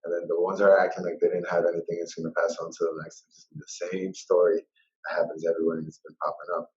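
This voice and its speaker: A man with a very low voice talks casually as a podcast guest. He hammers his points home by repeating them. The sound is muffled and lo-fi. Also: completely flat delivery, quick pace, a little mellow. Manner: emphatic, repeats points for stress. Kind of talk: casual conversation.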